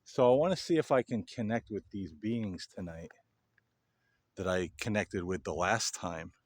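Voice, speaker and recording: A man with a low voice talks straight to his viewers as the host of a paranormal video. His delivery is casual and earnest, coming in halting phrases that sometimes trail off. The sound is dry, with very little room around the voice. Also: no echo. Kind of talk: casual explanatory monologue to viewers.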